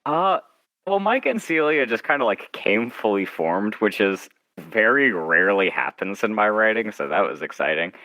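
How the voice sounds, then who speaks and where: A man with a lowish, bright voice chats casually as an author guest in an interview. He speaks informally, often phrasing thoughts as imagined dialogue, and the sound is very dry. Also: big pitch swings, normal speed, dry recording, low-quality recording.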